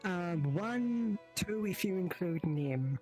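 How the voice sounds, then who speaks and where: A man's voice: sits high, animated, slow, a little mellow, soft background music. A man chatting casually during a roleplay game, telling events in a loose, rambling way.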